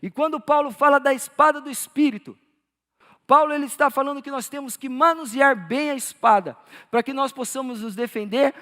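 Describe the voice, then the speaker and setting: A man preaching a sermon as pastor, building to emphatic calls, then dropping into soft, low storytelling. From Brazil. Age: adult with a child. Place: church auditorium. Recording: live church sound with long hall reverb.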